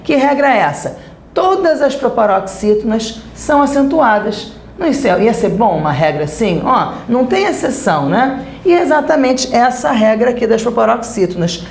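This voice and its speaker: A woman's voice: on the high side, sing-song, normal speed, gravelly, darkish tone, roomy sound, a little hiss or hum. A woman with a Brazilian Portuguese accent, teaching a recorded grammar lesson and checking in with the class as she explains.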